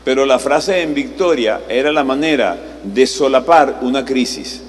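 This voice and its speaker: A man's voice: mid-range voice, lively intonation, moderate pace. A male pastor preaching a sermon in a conversational way, posing rhetorical questions to the congregation. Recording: live sermon in a reverberant hall, faint noise.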